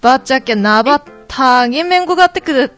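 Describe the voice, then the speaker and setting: A woman's voice: high voice, lively intonation, fast, a bit bright, faint music behind. Woman doing a fussing mother in thick Tsugaru dialect. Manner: heavy dialect, motherly warnings.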